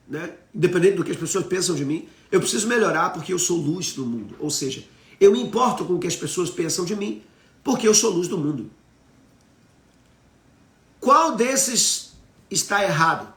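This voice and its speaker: Preaching live online, this Brazilian man speaks with a Brazilian Portuguese accent and a slightly high, creaky voice with a fairly bright tone. He teaches with emphasis, poses questions to viewers and answers their comments, all in an echoey, roomy space.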